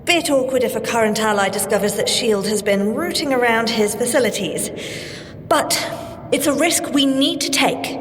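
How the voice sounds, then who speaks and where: A woman acts out a prim, earnest British field scientist in an audio drama. Her voice is fairly high and easily flustered. There is long reverb and faint noise around her. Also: normal speed, lightly acted.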